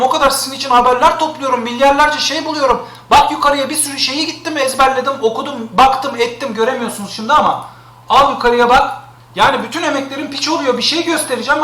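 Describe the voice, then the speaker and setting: A man's voice: extremely high pitch, pushed and bright, echoey room. A man streaming live, complaining in an exasperated way and repeating himself.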